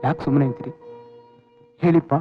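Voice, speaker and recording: An actor playing an earnest devoted son. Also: male voice, fairly high pitch, steady tone, brisk, lightly acted. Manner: earnest, reassuring. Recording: dull lo-fi film soundtrack with faint music.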